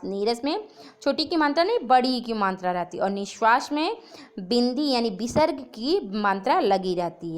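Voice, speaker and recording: Slow, lively-voiced woman teacher. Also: on the high side, clean tone. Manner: slow and deliberate, repeating each word and stressing letter sounds. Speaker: Hindi grammar teacher. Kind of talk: explaining a lesson over slides.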